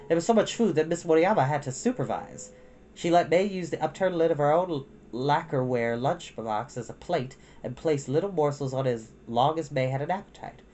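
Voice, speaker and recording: Low-voiced, lively woman reading a story. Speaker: storytime reader. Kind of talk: expressive children's storybook narration.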